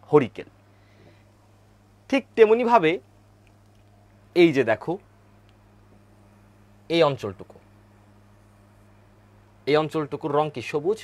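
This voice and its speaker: Lively man teaching history. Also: on the high side, no echo. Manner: repeats key words, quizzes viewers, has them chant names aloud. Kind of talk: online history lesson with map slides.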